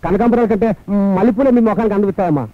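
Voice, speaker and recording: A young man acting as a chatty, flattering servant in a film scene. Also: high-pitched, no echo, lightly acted. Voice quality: rapid, flattering. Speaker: film hero. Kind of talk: Telugu film dialogue. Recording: tinny lo-fi film soundtrack, music.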